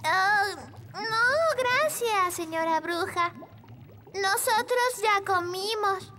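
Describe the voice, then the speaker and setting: A woman's voice: extremely high pitch, expressive, extremely slow, noisy background, heavily acted. A woman playing a curious, polite little fairy girl in a children's cartoon, with a Latin American accent. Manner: inquisitive, polite. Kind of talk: dubbed children's cartoon acting.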